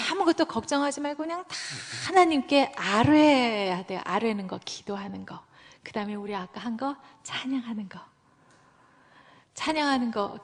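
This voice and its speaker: Animated woman preaching in a reverberant hall. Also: a little high. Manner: animated storytelling, acting out quoted voices. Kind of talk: sermon.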